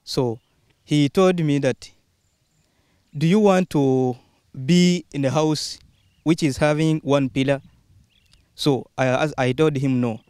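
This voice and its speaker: Young male audience member telling a story, higher smooth voice, dry sound. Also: takes it slowly, long pauses, a little mellow, no echo. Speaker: student in the audience. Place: outdoors among a seated crowd. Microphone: handheld mic.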